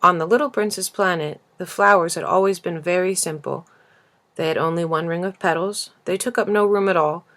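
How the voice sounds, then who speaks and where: A woman reading a literary story aloud as an audiobook narrator, in a gentle, measured and expressive manner. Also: lowish voice. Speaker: audiobook reader.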